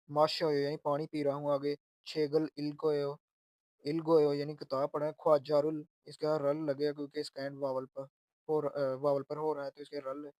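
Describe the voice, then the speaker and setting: A man's voice: fairly high pitch, darkish tone, no echo. A man teaching Korean, patiently explaining phrases word by word. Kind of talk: explaining Korean exam lessons.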